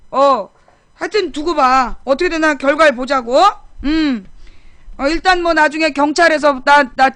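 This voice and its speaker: Sharp high-voiced woman, bluntly scolding. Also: no echo. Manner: blunt and scolding toward commenters. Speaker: political talk show streamer. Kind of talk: casual live-stream commentary.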